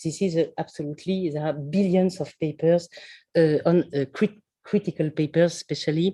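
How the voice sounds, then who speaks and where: A woman with a French accent speaks at a moderate pace in a fairly low voice with a dark, mellow tone. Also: dry, close sound with no echo. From France. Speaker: development economist. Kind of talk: academic seminar talk. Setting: video call. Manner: halting, many fillers and repeats.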